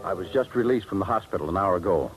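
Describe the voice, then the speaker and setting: In a noisy vintage 1950s radio drama recording with soft background music, a man plays an anxious, aggrieved jeweler who has been robbed and nearly ruined. His voice sits low and moves at a quick pace with lively intonation as he earnestly explains himself.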